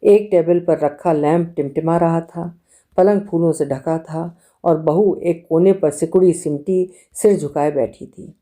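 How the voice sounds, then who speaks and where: Woman, audiobook narrator, low voice, very dark mellow tone, measured expressive storytelling.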